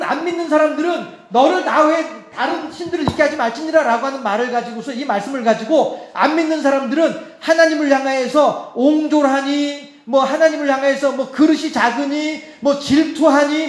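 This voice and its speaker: A man preaching a sermon as pastor, in a chatty way, laughing often and asking the congregation rhetorical questions. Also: very high-pitched. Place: church sanctuary. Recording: echoey church hall.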